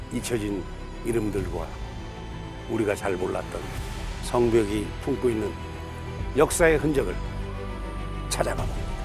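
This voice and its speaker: Music plays behind a man who speaks fairly slowly, his pitch varying in an ordinary way. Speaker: documentary narrator. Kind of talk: documentary narration.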